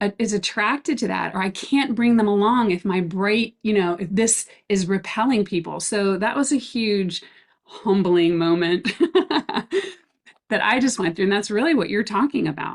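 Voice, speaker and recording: Her bubbly tone at a medium pitch carries ordinary pitch variation as this woman speaks at a moderate pace. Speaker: podcast host and leadership coach. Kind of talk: interview conversation. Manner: loud and bubbly.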